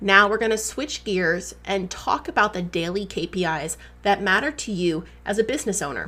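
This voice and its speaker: Over music in the background, a woman talks at a medium pitch with ordinary pitch variation. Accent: New England. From New England. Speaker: online course instructor. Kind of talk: tutorial. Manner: conversational.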